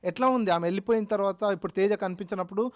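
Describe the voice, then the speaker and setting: A woman news reporter asks questions in a mid-range voice. She moves at a quick pace and keeps her questions brisk and probing. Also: mid-range voice.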